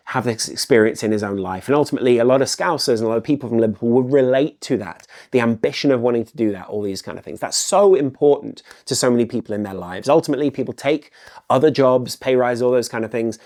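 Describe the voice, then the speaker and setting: Here the middle-aged English host of a football channel delivers solo commentary in a mid-range, slightly mellow voice. He stays earnest and repetitive, with "ultimately" cropping up constantly.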